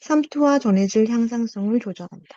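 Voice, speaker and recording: With lively intonation, a woman with an ordinary speaking voice talks at a moderate pace and fairly high pitch. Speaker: study group member. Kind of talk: reading aloud.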